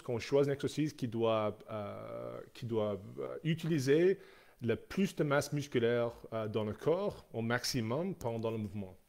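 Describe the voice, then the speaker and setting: A man's voice: medium pitch, darkish tone. A man, a strength coach giving a live Q&A presentation, hesitant, with many fillers and restarts. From Canada. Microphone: live stream.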